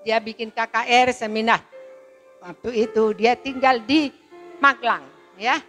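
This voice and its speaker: A woman in her seventies gives an emotional testimony to a church congregation, speaking a little slowly in a fairly high voice over soft background music. She tells her story by acting out its people, quoting them in lively voices.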